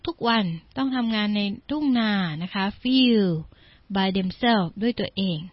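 A woman's voice: on the high side, slow pace, no room sound, muffled recording. A woman English teacher reading a children's story and patiently explaining each word for her listeners. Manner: patient, explains words one by one. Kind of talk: bilingual storytelling lesson for listeners.

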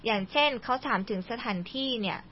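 Talking fast in a medium-pitched voice, a young woman hosts a language lesson in a chatty radio style, prompting her guest with lots of questions. The lo-fi recording sounds dull.

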